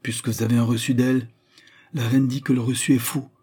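A man's voice: medium pitch, level tone, a little fast, darkish tone, slightly rough, natural voice. A man doing a frantic, pleading jeweler. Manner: pleading, insistent. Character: anxious, pleading male court jewelers.

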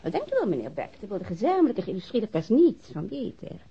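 A woman's voice: mid-range voice, huge pitch swings, fast, warm tone. An actress playing a bold, playful woman, teasing her lover with flirtatious mock formality and bossiness in a radio drama. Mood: mock horror. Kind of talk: intimate radio drama dialogue. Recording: dull, noisy old radio drama recording.

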